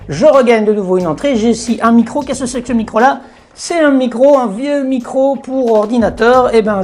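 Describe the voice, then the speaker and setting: A man's voice: sits high, darkish tone. A man hosting a casual hands-on tutorial, chatting with many fillers and restarts as he shows his equipment. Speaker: video tutorial host. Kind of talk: casual hands-on gear demo.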